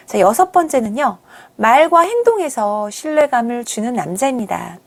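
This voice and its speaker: A woman hosting a video channel, giving a scripted explainer narration in a gentle, chatty way to her viewers. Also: on the high side. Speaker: channel host.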